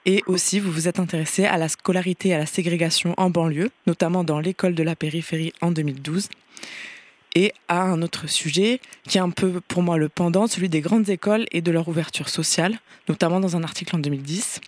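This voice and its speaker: A woman hosting a radio show, presenting the program and her guest in a clear, measured way. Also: fairly low pitch, fairly even intonation, darkish tone.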